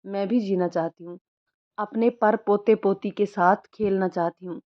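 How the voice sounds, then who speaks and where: A woman's voice: medium pitch, fairly even intonation, normal speed, dull audio, close to an everyday voice. A woman voicing an ailing, stubborn old grandmother in a storybook reading, coaxing and scolding her grandson. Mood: emotional.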